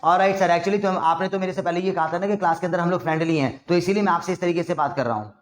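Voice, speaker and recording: A man's voice: sits high, racing, natural voice. A man playing a defensive student talking back. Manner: protesting, argumentative. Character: defensive young male student answering back. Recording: roomy echo.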